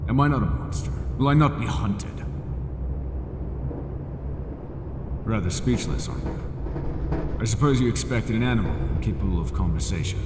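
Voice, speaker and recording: A man voicing an ancient, intelligent bull monster with white fur in an ASMR roleplay, speaking slowly with soft, measured menace. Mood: persuasive. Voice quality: deep gravelly voice. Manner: slow, measured, softly menacing. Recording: echoey cavernous reverb with steady noise.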